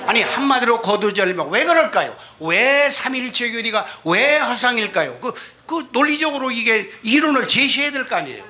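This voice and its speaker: A male pastor from Chungcheong teaching a Bible class, leading the class in repeating lines after him and swinging from quiet asides to shouted declarations. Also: very high-pitched, big pitch swings, normal speed, hardly any pauses. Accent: Chungcheong Korean. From Chungcheong, Korea. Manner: leads call-and-response reading, swings from soft to shouting. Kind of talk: sermon-style Bible class.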